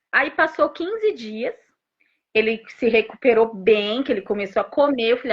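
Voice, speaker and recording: Casting note: a woman, 30s, mother, bright-ish voice, tells her story in eager bursts over dull stream audio. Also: on the high side. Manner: animated storytelling with frequent restarts and rapid asides. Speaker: mother giving a testimonial. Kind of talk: emotional personal testimony on a live stream.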